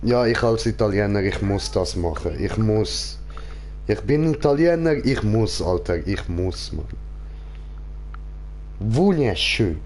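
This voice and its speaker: A young man with a Swiss German accent, giving casual commentary while playing a game, relaxed and mumbling his choices aloud. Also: fairly low pitch, slow pace, a little hiss or hum. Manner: relaxed, mumbling asides while choosing options. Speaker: gaming streamer.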